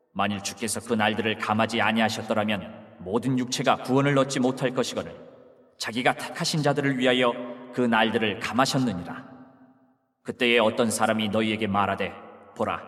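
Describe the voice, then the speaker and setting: A man playing Jesus as a calm teacher, giving measured, solemn lines in a dramatized Bible reading. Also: medium pitch, lightly acted. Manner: measured, solemn archaic delivery. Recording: long hall reverb.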